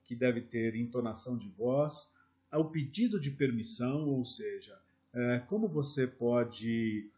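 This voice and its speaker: A man's voice: mid-range voice, measured pace, dark tone, dull audio. A man with a Brazilian Portuguese accent teaching a sales lesson, speaking straight to viewers and walking through examples. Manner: instructive, addresses viewers directly with examples. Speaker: sales trainer.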